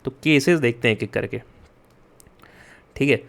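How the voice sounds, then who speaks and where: A young man explains coding in an easy, chatty way. He keeps turning to his students to check they are following, and he goes slowly so they can take notes. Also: mid-range voice, creaky, fairly bright tone. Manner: mixes Hindi and English, chatty with frequent "yaar" and "theek hai?"; addresses students directly and urges them to take notes. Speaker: coding tutor. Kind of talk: casual explained lesson.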